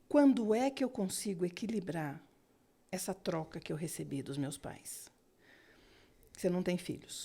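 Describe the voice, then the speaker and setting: Pausing long and often, a woman speaks at a fairly slow pace in a dark, mellow tone of medium pitch, with very wide pitch swings. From São Paulo state, Brazil. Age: 50s. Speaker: family counselor and meditation facilitator. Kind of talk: interview conversation.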